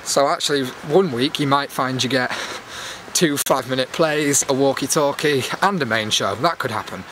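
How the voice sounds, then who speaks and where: A man's voice: medium pitch, moderate pace, fairly bright tone. A man chatting casually to his viewers in a rambling, self-deprecating vlog, talking into a handheld camera as he walks outdoors. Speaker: YouTube host. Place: outdoors, walking in a public area. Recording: clear outdoor background noise while walking.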